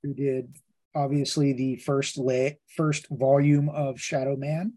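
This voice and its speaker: A man's voice: medium pitch, level tone, takes it slowly, warm tone. A man co-hosting a casual comics podcast, telling convention stories with lots of asides and quoted dialogue. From Pittsburgh. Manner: chatty, storytelling with many asides and quoted voices. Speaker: podcast co-host. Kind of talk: casual chat.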